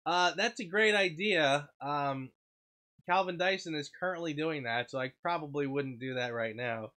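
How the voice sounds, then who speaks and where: A man hosting a casual livestream, stuffed up and sniffling, clearing his throat often and rambling as he answers viewer chat. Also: fairly high pitch, normal speed, pushed and bright. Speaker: livestream host.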